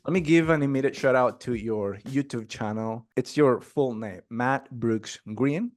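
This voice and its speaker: A mid-pitched man hosts a podcast interview with upbeat enthusiasm. He talks casually and fills his sentences with "like" and "you know". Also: unhurried. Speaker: podcast host.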